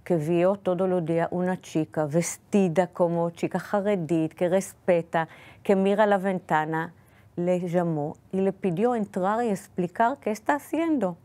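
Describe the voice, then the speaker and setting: A woman's voice: fairly low pitch, dark tone. Israeli woman telling family stories. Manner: careful, slightly halting non-native Spanish. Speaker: guest. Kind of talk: interview storytelling.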